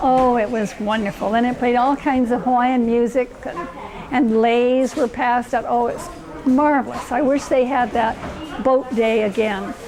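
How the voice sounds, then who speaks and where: Over noticeable background noise and audible room echo, a woman speaks at a moderate pace in a high pitch. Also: fairly even intonation. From Hawaii (Oahu). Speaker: retired blood bank worker. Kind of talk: personal life story.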